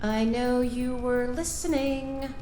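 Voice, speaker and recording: A woman's voice: high voice, fairly even intonation, slow, dark tone, echoey room, soft background music. A woman acting in an audio drama as a guarded, sarcastic, stubborn woman with a dry, weary, curt delivery. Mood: curt, defensive.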